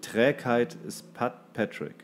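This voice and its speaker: A man's voice: mid-range voice, takes it slowly, a little hiss or hum. A man co-hosting a podcast, chatting casually. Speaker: podcast co-host.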